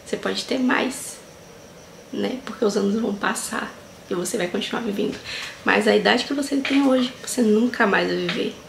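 Earnest young woman, gravelly voice, echoey room. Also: medium pitch, moderate pace. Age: 20s. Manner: earnest, heartfelt, leans on fillers like "sabe" and "né". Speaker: vlogger. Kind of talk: casual reflective vlog talk. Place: small tiled room indoors. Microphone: camera at close range. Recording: echoey tiled room, faint noise.

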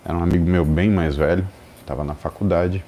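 A man's voice: sits low, fairly even intonation, brisk, mellow, slight background noise. A man in his forties with a Brazilian Portuguese accent, telling a story as host of a live stream and acting out the people in it.

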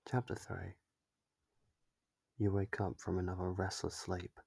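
A man narrates a scripted ASMR horror story in the second person. His voice is deep and gravelly with a husky edge. The recording is close and dry. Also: monotone, unhurried, darkish tone, no room sound. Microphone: close, dry microphone.

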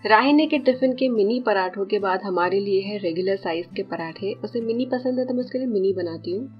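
A woman in her thirties narrating her home cooking in a calm, explanatory voice, talking straight to viewers. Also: medium pitch, brisk, dull audio, soft background music. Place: home kitchen.

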